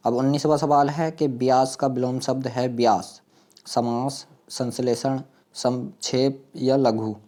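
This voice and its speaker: A man's voice: medium pitch, warm tone. A man giving an exam-prep grammar lesson as a teacher, posing questions to listeners and repeating points as he explains. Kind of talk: Hindi grammar quiz lesson, question and answer.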